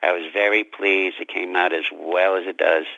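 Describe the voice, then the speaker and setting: Gravelly, low-voiced man talking deliberately. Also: fairly even intonation, sharp tone, dry recording, muffled recording. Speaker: author, interview guest. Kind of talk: reflective conversational interview about writing.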